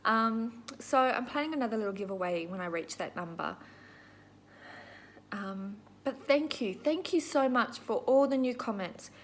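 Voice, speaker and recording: A woman's voice: fairly high pitch, expressive, moderate pace, slight background noise. A middle-aged Australian woman hosting a crafting video, chatting casually to viewers in an informal, rambling, self-deprecating way.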